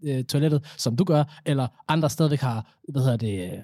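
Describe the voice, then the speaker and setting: A man's voice: medium pitch, mellow, no echo, studio quality. A man chatting casually with a friend, telling stories and acting out what he says to himself. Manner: chatty storyteller, acts out his own inner talk, mixes in English. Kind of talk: casual chat.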